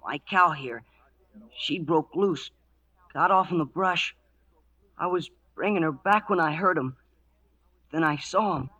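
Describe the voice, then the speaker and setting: Wary frontier boy, high bright voice. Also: measured pace, long pauses, breathy edge, dull audio, exaggerated voice. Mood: somber. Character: tough, wary orphaned frontier youth, male. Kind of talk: 1940s-1950s radio western acting.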